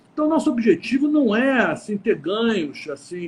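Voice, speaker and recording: Noticeable background noise fills the recording. A man talks over it. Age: 60s. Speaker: fertility doctor. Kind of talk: live stream interview. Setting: online live stream. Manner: halting, frequent repetitions.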